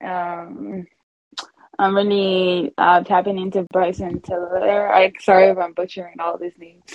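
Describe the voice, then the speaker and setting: At a moderate pace, a woman with a medium-pitched voice speaks in a monotone, flat way, her loudness swinging widely. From Colombia (Medellin) then Miami. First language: Spanish. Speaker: Latin pop and R&B singer. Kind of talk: casual interview. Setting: phone call.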